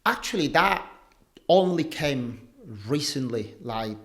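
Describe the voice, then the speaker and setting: A man's voice: a little high, slow. A young man from Spain, a padel coach, talking casually in an interview with many fillers. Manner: relaxed, chatty, many fillers like "um" and "like".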